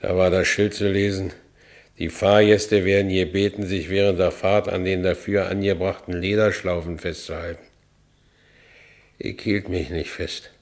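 A man's voice: low voice, little pitch movement, moderate pace, lightly acted. An actor playing a haunted working-class Berlin man who recounts his past bitterly in a radio drama, with a Berlin accent. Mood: haunted, brooding. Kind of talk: radio drama first-person narration.

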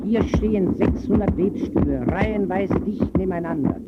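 A man's voice: sits high, moderate pace, loud music behind the voice. A man reporting for old-time radio in formal, clipped, declamatory narration. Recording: very noisy muffled archival radio recording.

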